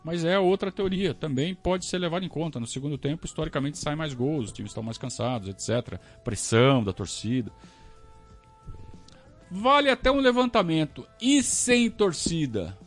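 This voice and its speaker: Lively Brazilian man chatting football. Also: a little high, moderate pace, faint music behind. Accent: Brazilian Portuguese. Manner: animated, talks to the audience, rants and self-questions. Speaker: podcast host reading superchats. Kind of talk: casual live-stream chat about football.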